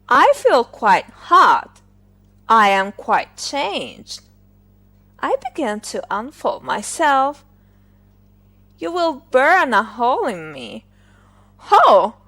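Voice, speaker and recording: A vain, flirtatious gentleman of a shirt collar played by a woman reading a storybook. He boasts pompously in exclamations, slowly and in a high register. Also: huge pitch swings, full character voice. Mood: gushing, flirtatious. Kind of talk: fairy-tale storybook character reading.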